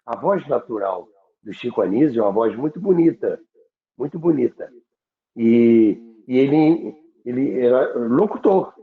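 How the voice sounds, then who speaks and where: With a mid-range, expressive voice, this older Rio radio veteran and program host chats about the history of radio. He takes his time, pausing haltingly and repeating himself, and the sound is roomy, like a phone line.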